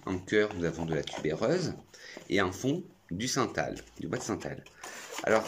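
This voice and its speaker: A man's voice: fairly low pitch, background noise. A French man reviewing perfumes in a chatty, effusive vlog. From France. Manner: chatty and effusive, talks to himself. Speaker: perfume youtuber.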